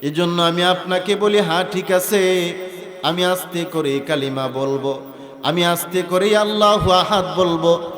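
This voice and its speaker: A man's voice: high voice, a little slow, a bit bright. A man preaching in a sung tune voices a steadfast, pleading man who stays faithful while being beaten. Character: devoted enslaved man, pleading, steadfast under beating. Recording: echoey outdoor PA, long reverb, faint music.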